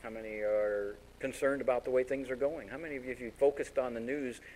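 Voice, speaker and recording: A man's voice: mid-range voice, fast talker, a little hiss or hum, poor audio. A man preaching a sermon as pastor in a folksy, storytelling way. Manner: folksy, animated storytelling with acted-out voices.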